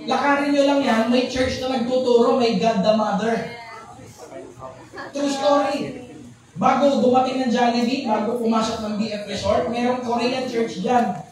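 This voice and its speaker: A man preaches a lively sermon, joking and checking that his congregation follows him. His voice rings around a big, echoey hall and is picked up from some distance away. A steady background noise sits under the whole recording. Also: extremely high pitch, normal speed. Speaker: pastor.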